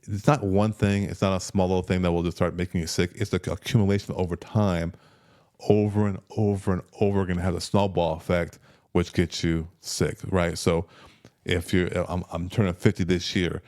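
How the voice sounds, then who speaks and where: A man in his fifties talking casually as a health coach, relaxed and repeating words as he thinks. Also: sits low, normal speed. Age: 50s. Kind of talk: casual conversational health talk.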